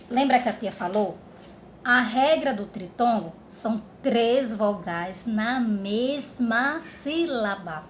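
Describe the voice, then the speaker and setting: A woman teacher from Brazil giving a slow grammar lesson for children, drawing out words and checking in often. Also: fairly high pitch. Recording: echoey room with faint background noise.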